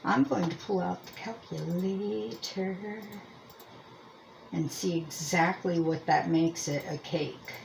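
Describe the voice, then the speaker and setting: A woman's voice: lowish voice, fairly even intonation, slow, gravelly, a little hiss or hum, rough recording. A woman from Pennsylvania with a Pennsylvania Dutch accent chats casually as the host of a homemade review, rambling and thinking aloud in a self-deprecating way. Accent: Pennsylvania Dutch American. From Lancaster County, Pennsylvania, US. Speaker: host of a crochet and yarn channel. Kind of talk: casual chatty product review.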